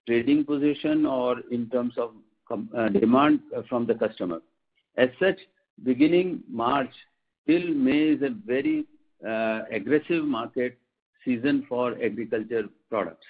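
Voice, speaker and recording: A man with an Indian accent, a company executive answering questions on an earnings conference call in a measured, formal, explanatory way. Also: medium pitch, husky. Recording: muffled tinny phone line.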